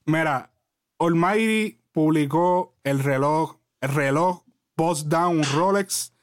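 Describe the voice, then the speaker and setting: Animated man, slightly high voice. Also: slow. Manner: animated, laughing, code-switching. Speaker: podcast host. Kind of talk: casual chat.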